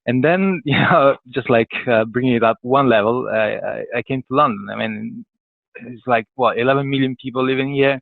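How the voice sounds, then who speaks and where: A man's voice: mid-range voice, normal speed, creaky, no room sound. An Italian man with an Italian accent answering interview questions conversationally as a podcast guest, hesitant and thinking aloud in broken phrases. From Italy. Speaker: podcast guest, corporate professional. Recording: thin phone-like call audio.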